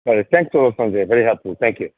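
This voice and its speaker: A man's voice: lowish voice, animated, racing, no echo. A man phoning into an earnings call as an analyst, speaking in a conversational business style over a narrow line. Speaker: analyst asking questions. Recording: dry, tinny narrow phone line.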